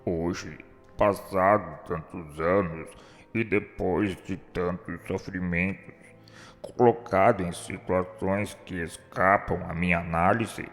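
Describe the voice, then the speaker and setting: An actor playing a remorseful, educated suicide's spirit in a radio drama, speaking solemn, formal, declamatory lines. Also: male voice, sits low. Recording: long hall reverb, music underneath.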